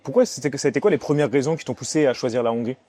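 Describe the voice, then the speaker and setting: A man hosts a casual interview and asks his questions in an easygoing, friendly way. He talks briskly, with words coming quickly. His voice has a dark, relaxed tone at a middle pitch. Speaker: host, interviewer.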